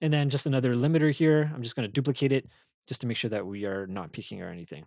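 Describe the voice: Words come at a very fast pace, with vocal fry. The tone is slightly mellow, and the pitch varies in an ordinary way. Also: man, medium pitch for a man.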